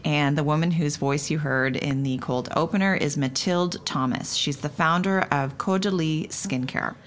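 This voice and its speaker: A woman's voice: low voice, moderate pace, slight background noise. A woman co-hosting a podcast in casual chat, talking readily and often filling in with agreeing murmurs. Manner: chatty, backchannels often with mm-hmm. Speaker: podcast co-host.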